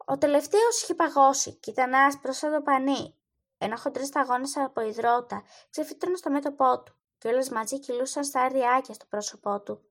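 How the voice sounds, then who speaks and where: A woman narrating an audiobook in a steady, clear storytelling manner. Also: sits high.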